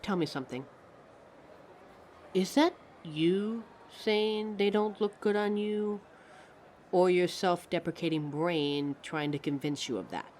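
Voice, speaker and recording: A woman's voice: on the low side, slow pace, darkish tone, slight background noise. A woman voicing a pompous, theatrical living mannequin who lectures the listener as a fussy fashion expert in a scripted roleplay. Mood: gentle concern. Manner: pompous, affected, instructive, calls listener darling.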